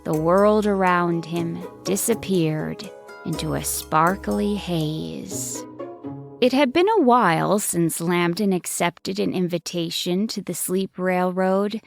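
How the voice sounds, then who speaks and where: A woman's voice: fairly low pitch, gravelly. A woman narrating a scripted bedtime story for children as the storyteller.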